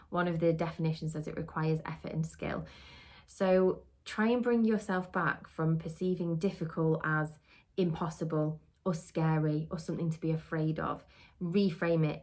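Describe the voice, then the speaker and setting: A British woman giving conversational, instructional advice as a trainer and podcast host, explaining and rephrasing her points as she goes. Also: low voice.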